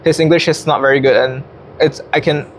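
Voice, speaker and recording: A man's voice: on the high side, fairly even intonation, slight background noise. A young man from Singapore, an international student, answering interview questions casually with many fillers and restarts. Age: young adult. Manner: quick, hesitant, lots of fillers and restarts, laughs often.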